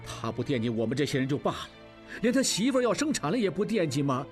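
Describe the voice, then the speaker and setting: A man voicing a panicky middle-aged head of a household in an audio drama, tripping over his words and sighing in exasperation. His voice sits fairly high and swings widely, with soft music underneath. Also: sing-song, fast. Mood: panicky, fretful. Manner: stammering, exasperated exclamations.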